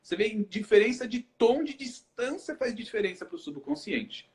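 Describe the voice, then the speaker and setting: A man's voice: sits high, very animated, normal speed, darkish tone. A man from Brazil, a hypnotherapist hosting a casual live chat, explaining with rhetorical questions that he answers himself. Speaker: hypnotherapist host.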